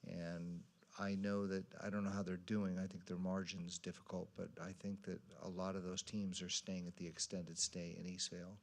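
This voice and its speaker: A man speaking as a council member in informal meeting remarks, halting and wandering into asides. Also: low voice, little pitch movement, creaky.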